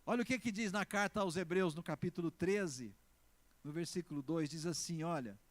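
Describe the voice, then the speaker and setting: Preaching with a Brazilian Portuguese accent, a pastor with a slightly high voice alternates between loud exclamations and slowly stressed words. He is emphatic throughout and keeps calling on the congregation for responses.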